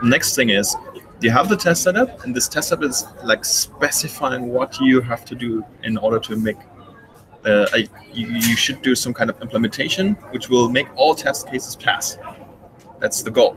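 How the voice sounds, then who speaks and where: A moderate pace and lively intonation, with noticeable background noise behind the speech. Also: man, medium pitch for a man. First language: not English. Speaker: software developer mentor. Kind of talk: pair-programming tutorial. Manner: halting.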